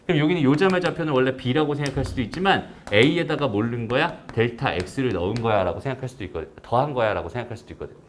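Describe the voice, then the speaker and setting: Lively-voiced male math teacher. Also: medium pitch, fast talker, hardly any pauses, slight background noise. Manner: casual, checks understanding with frequent tag questions. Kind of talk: recorded math lecture.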